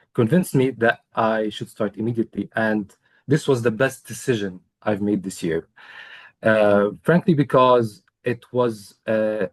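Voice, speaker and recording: A young man from Egypt, a coaching client telling his story in an interview, earnest and measured, with many pauses and fillers. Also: fairly low pitch, no room sound. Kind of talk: testimonial interview.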